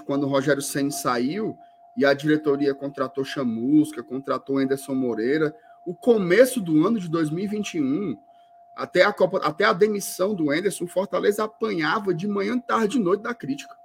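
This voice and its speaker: Slightly high man, faint hum. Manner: playful, pushes questions. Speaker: podcast co-host. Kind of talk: casual chat.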